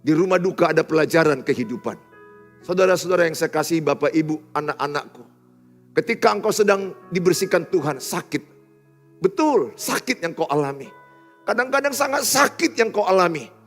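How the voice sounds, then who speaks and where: A man preaches a sermon in a large church hall. His voice sits high and carries on a long reverb, with faint music underneath. He swings between ringing emphasis and hushed, intimate appeals. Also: expressive, fairly quick. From Indonesia. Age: 50s. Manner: impassioned preaching, cadenced lists, shifting from loud emphasis to soft intimate tones. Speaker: pastor.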